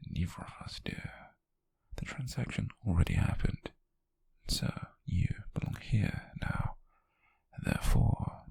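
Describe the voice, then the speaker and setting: In a heavily acted ASMR roleplay, a British man voices a wealthy, possessive young yandere, his low, breathy, husky whisper coaxing haltingly with quiet menace. The recording is dry.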